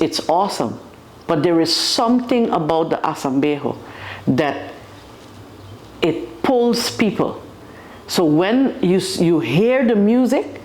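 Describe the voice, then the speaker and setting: A woman's voice: on the low side, darkish tone. A woman with an Aruban accent, a carnival band leader talking casually in an interview. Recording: roomy, echoing interview sound.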